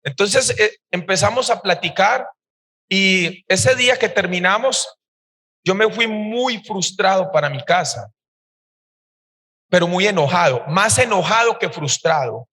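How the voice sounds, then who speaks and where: A male pastor tells his own testimony in a sermon, in an animated, emphatic storytelling manner. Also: sits high, measured pace. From Costa Rica. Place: church service hall. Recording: reverberant church hall.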